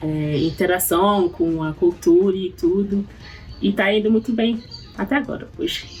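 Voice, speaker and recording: Over music in the background, a woman at a medium pitch speaks fairly slowly with lively intonation. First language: not Portuguese (speaking Portuguese). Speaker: medical student. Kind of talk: casual testimony.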